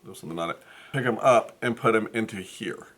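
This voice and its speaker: A man's voice: fairly low pitch, fairly quick, a bit bright. A man who teaches first grade, chatting casually to his vlog camera, rambling and correcting himself as he thinks aloud. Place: school classroom.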